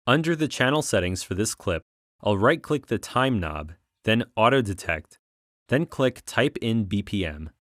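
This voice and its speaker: A man with a fairly low voice delivers scripted tutorial narration. He explains each step clearly, like an instructor guiding a learner through software. The recording is close and very dry, with no room sound. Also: animated, moderate pace, dry recording.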